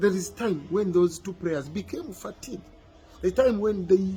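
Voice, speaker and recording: A man speaks with a Ugandan accent. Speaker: football commentator. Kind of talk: video commentary monologue. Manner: halting with repetitions.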